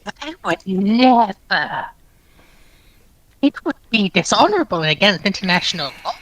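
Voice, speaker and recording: A man's voice: high voice, very animated, a little slow, a bit bright. A man chatting casually in a tongue-in-cheek way over a slightly noisy connection with keyboard clicks. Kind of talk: casual chat, joking. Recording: background noise with clicks.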